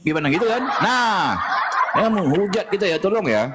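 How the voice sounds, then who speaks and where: A man's voice: high-pitched, lively intonation, normal speed. A man holding forth in a mocking live-stream discussion, laughing often and taunting his listeners. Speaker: debater in an online faith discussion. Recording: echoey with loud background noise.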